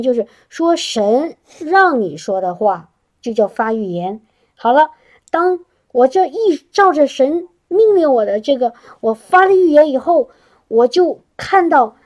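High-pitched lady giving an excited sermon, lots of repeating, sounds really into it. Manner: animated, exclamatory, laughs often, repeats words. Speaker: preacher.

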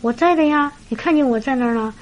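A woman's voice: high voice, a little fast, fairly bright tone, lo-fi sound, voice pushed up. A woman playing an earnest, emotional church sister. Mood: puzzled. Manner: plaintive, then exclaiming.

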